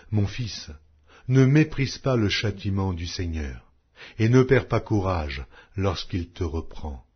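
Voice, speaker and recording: Male scripture narrator, deep-leaning and rough-edged voice, solemn measured delivery, slightly dull recording. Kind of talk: scripted Bible reading.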